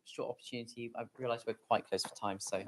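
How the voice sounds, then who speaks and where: A young adult with a mid-pitched voice speaks at a public event. The delivery is plain and explanatory, addressed to an audience. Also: fairly even intonation, quick pace, a little hiss or hum.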